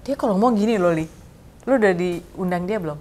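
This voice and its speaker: A middle-aged woman hosting a casual podcast chat, lively and quick to mimic the voices of people she talks about. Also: on the low side. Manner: animated, mimics voices when telling stories. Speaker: talk show host.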